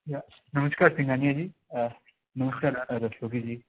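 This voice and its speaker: A man's voice: medium pitch, steady tone, brisk, breathy edge. A man with an Indian accent asking deferential questions as a caller on an earnings call over the phone. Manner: deferential, often saying sir. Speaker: caller, investor or analyst. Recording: tinny narrowband phone line.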